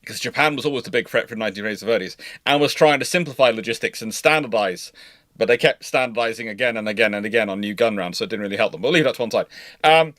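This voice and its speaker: A man hosting a casual livestream, talking in a rambling, animated way and often interrupting himself. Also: lowish voice, quick pace, dry recording, studio quality. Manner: animated, rambling enthusiast with frequent self-interruptions. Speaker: livestream host.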